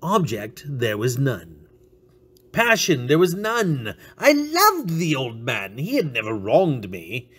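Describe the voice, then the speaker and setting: A man's voice: mid-range voice, huge pitch swings, takes it slowly, fairly bright tone, slightly rough, pitched below the performer's own voice, exaggerated voice. A man voicing a sly, unhinged male murderer who narrates his crime with theatrical menace, sudden whispers and outbursts. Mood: menacing. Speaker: reader. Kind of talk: dramatic reading.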